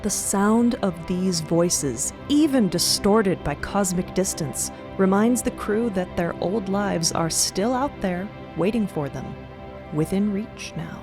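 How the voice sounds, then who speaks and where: Measured woman narrator over music. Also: mid-range voice, expressive. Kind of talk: scripted dramatic narration.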